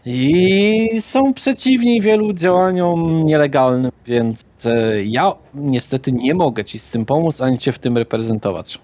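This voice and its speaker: A man's voice: fairly high pitch, expressive, measured pace, hardly any pauses, a little mellow, no room sound. A man running a tabletop roleplaying game, speaking in character in a blunt, slangy way with frequent swearing. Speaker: game master.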